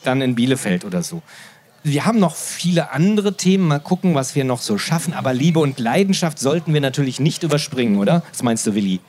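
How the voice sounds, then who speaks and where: A man from the Sauerland hosting a limerick reading event, chatting between readings and reciting limericks slowly. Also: mid-range voice, lively intonation, darkish tone. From Sauerland, Germany. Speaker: host.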